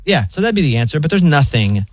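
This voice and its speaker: A man's voice: a little high, very animated, quick pace, no echo. A man with a Southern accent hosting a radio show, talking in a laid-back, joking, plainspoken way. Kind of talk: casual radio banter.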